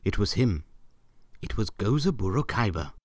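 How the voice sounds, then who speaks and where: Low-voiced wry male storyteller. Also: big pitch swings, moderate pace, darkish tone, no room sound, studio quality. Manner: theatrical, wry, ornate phrasing. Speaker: narrator. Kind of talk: scripted storybook narration.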